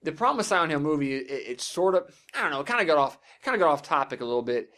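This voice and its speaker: Fast-talking, profane man on a podcast. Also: on the high side, very animated, fairly bright tone. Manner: profane, opinionated. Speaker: podcast host. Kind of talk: casual podcast discussion.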